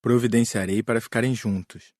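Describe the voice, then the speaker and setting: A man's voice: mid-range voice, steady tone, brisk, a little mellow, no room sound, studio quality, close to an everyday voice. A man with a Brazilian accent playing a kindly, reassuring spirit rescue worker in an audiobook. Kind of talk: audiobook character dialogue.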